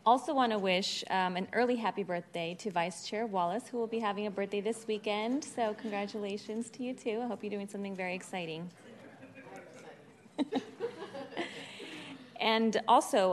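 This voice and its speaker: A woman's voice: medium pitch, a little hiss or hum. A woman chairing a public commission meeting, friendly and procedural.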